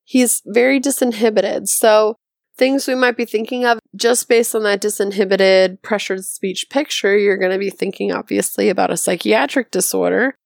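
A woman with a hoarse voice hosting a medical exam podcast, reading a case question and reasoning through the answer step by step. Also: medium pitch, steady tone, moderate pace, dry recording. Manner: methodical, thinks aloud step by step. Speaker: podcast host teaching medicine. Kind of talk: explaining a board exam question.

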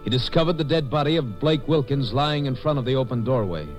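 A man's voice: medium pitch, brisk. An American man narrating a 1950s radio drama as a formal, dramatic announcer. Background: music.

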